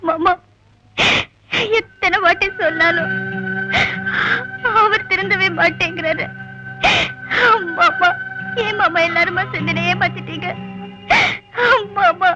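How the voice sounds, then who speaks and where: An actress playing a distressed young wife in a film, tearful and complaining. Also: female voice, very high-pitched, fairly even intonation, slow pace, pauses often. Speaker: film character. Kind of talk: film dialogue. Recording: dull film audio with music.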